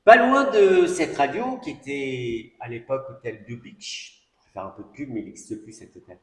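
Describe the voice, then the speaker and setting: A man's voice: mid-range voice, lively intonation, normal speed, a bit bright. A man preaching in an echoey church hall. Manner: conversational storytelling with many asides and fillers. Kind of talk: testimony sermon.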